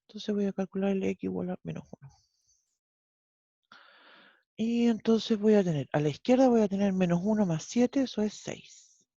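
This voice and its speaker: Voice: medium pitch, moderate pace, creaky, pauses often, dark tone, dry recording. A math teacher with a Chilean accent, teaching an online class step by step and often checking in with the students. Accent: Chilean Spanish. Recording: dull lo-fi online class audio.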